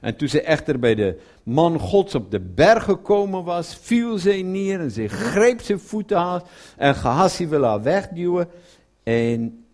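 Slow, lively-voiced male preacher. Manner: drops to a low murmur for quoted speech, asks the audience questions. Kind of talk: sermon retelling a Bible story.

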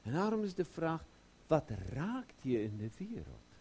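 A man preaching a sermon, slow and emphatic, rising loud and high when he quotes scripture. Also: wildly swooping pitch, slight background noise.

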